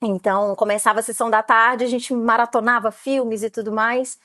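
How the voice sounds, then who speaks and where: A Brazilian woman in her late thirties talks on an interview podcast, her voice sitting high and bright in pitch. She explains her work eagerly, piling on fillers as she goes. The sound is close and dry, with no room around it. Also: a little fast, no room sound. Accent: Brazilian Portuguese. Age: late 30s. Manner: lively, explanatory, many fillers. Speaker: photographer guest.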